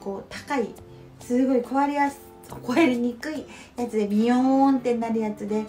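Faint music sits in the background while a woman with high pitch speaks at a moderate pace. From Japan. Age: 50s. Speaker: YouTuber living alone who does handmade crafts and room tours; lifestyle vlogger. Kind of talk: casual talk to camera, vlog. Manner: friendly, chatty, conversational. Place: home room. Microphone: phone near.

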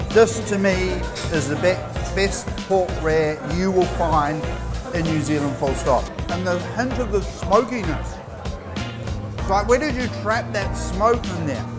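With clear music behind him, the man delivers his words at a fairly slow pace. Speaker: chef food host. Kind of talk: food review commentary. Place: bar.

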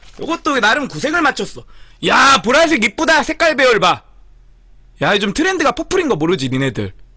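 Against a quiet background, a man with an extremely high pitch projects a raised voice in a bright, sharp tone, swinging very widely in pitch and leaving long, frequent pauses. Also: fairly quick pace. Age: 30s. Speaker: mukbang streamer. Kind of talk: casual livestream eating show. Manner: animated. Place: home room. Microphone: studio mic.

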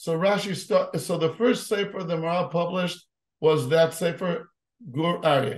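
Fairly even intonation carries the speech at a moderate pace. The background is quiet, with audible room echo. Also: man, high pitch for a man. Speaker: guest. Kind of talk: interview answer, lecture-like. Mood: calm, explanatory. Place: home room. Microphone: video call.

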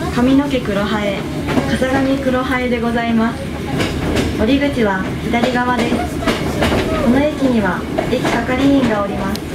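Amid loud background noise, a woman speaks at a fairly slow pace with long, frequent pauses. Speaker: train announcement voice. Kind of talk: train station announcement. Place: train.

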